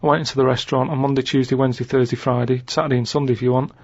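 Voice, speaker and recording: A man's voice: mid-range voice, little pitch movement, rapid-fire, dry recording, muffled recording. A man with a Manchester accent setting quiz clues on a radio show, rambling and hesitant, often repeating himself. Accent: English, Manchester. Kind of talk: casual radio banter. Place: radio studio.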